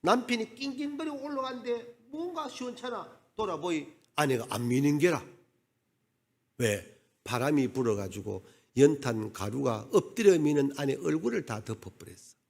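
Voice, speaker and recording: A man's voice: fairly high pitch, normal speed, vocal fry. A middle-aged man preaches a storytelling sermon. His slightly raised voice rises and falls a great deal as he acts out the people in his stories. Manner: animated storyteller, acts out dialogue. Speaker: pastor.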